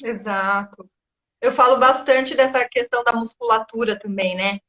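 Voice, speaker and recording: A woman's voice: a little high, moderate pace, sharp tone, muffled recording. A woman guest in a casual live chat, explaining patiently and often checking in with "né?". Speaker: guest educator.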